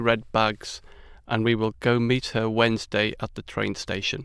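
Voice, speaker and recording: A medium-pitched man with an English accent at a fairly slow pace, on a very clean recording with a silent background. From Cumbria, England. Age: 30s. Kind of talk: read sentences for speech corpus. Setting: studio.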